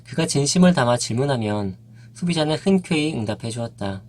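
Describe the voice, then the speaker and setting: A man narrating a nonfiction book in an even, measured reading voice. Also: mid-range voice. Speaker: audiobook narrator.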